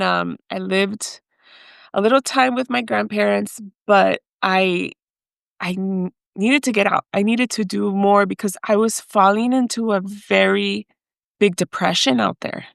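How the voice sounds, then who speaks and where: Speaking unhurriedly in a medium-pitched voice with vocal fry, a woman is heard in a dry, studio-quality recording. As a podcast guest, she tells her life story haltingly and emotionally, weaving in Spanish phrases; she grew up in the US with Mexican parents.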